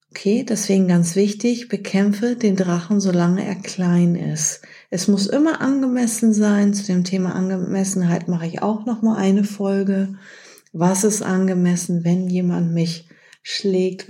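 A woman's voice: lowish voice, dark tone. A woman hosting an advice podcast, talking straight to the listener in a coaching way and acting out short example phrases. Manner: direct, coaching, addresses listener as du. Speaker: podcast host.

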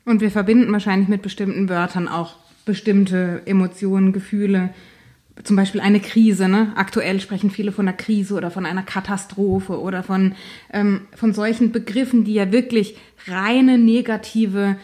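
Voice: medium pitch, level tone, moderate pace, a little mellow. A podcast host in casual conversation who gives short affirmations and asks clarifying questions.

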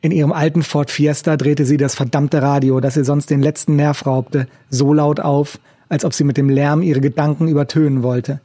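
A man reading a novel aloud as audiobook narrator, steady and measured, on a close studio mic. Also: fairly high pitch, husky, no echo.

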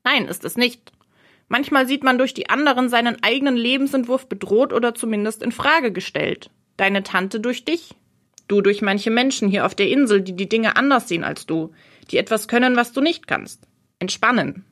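A provocative male bird in a storybook reading, as a woman voices him. The voice sits a little high and keeps challenging and teasing. It lectures bluntly and never lets up. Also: lively intonation, moderate pace, fairly bright tone. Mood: reasoning. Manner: challenging, questioning. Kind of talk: audiobook role reading.

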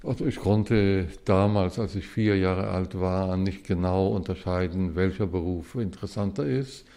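A man in his seventies with a low, gravelly voice and a dark, mellow tone. He is from Israel and explains things in a measured way as a guest in an interview, with faint music behind him. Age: 70s. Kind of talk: casual interview talk.

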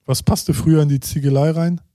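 A man chats loosely, tossing in slang and quick short replies. His voice is dark and mellow. The sound is dry and close-miked. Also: on the high side, steady tone, no echo. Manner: casual, short reactions, slangy. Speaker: podcast co-host. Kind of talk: casual chat.

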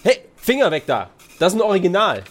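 A man's voice: high-pitched, huge pitch swings, fairly quick, exaggerated voice. A man playing an evasive, nervous art thief in a comedic audio drama, stammering excuses. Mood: flustered.

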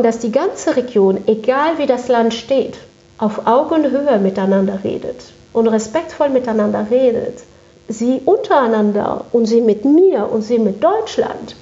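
A woman's voice: on the high side, mellow. A woman speaking as an interview guest, recounting her work conversationally and repeating phrases for emphasis. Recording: echoey room, dull muffled sound.

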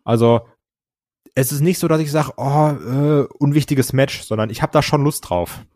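A man's voice: medium pitch, moderate pace, a little mellow, dry recording, clean studio sound. A man co-hosting a casual wrestling podcast, talking hesitantly with many fillers. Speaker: podcast co-host.

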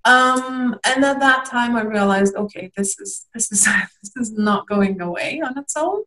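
A young woman from Lithuania speaks with a slightly high voice. She talks candidly and reflectively as an interview guest, pausing, restarting, and letting out small laughs. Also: sharp tone, rough recording.

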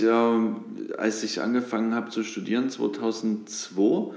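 A man's voice: fairly low pitch, vocal fry, echoey room. A man in his thirties from Dresden, a company director answering interview questions thoughtfully with frequent fillers. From Dresden, Germany. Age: 30s. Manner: thoughtful, many fillers and restarts, lively when animated. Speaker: guest, company managing director.

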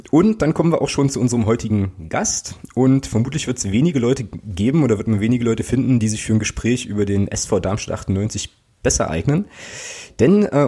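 A man's voice: fairly low pitch, warm tone, breathy edge. A man hosting a casual fan podcast, chatty and joking, with lots of fillers. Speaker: podcast host.

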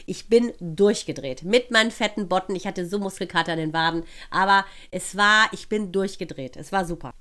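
A middle-aged woman co-hosting a podcast, chatting casually and telling stories with gushing enthusiasm, her voice hoarse after a night of dancing. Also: mid-range voice, brisk, few pauses, a bit bright. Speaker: podcast co-host. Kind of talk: casual chat.

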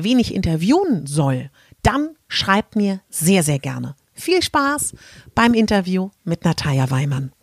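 Slightly husky woman podcast host. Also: medium pitch. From Germany. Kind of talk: casual interview podcast. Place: guest's apartment.

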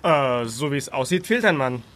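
A man's voice: mid-range voice, animated, normal speed, fairly bright tone, lightly acted. A man voicing a servile first mate who speaks politely and hesitantly, with frequent ums. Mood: meek. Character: servile male first mate, nervous and obliging.

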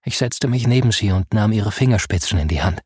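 A man narrating a first-person audiobook in a soft, grave storytelling manner. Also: lowish voice, animated, brisk, slightly rough, dry recording, studio quality.

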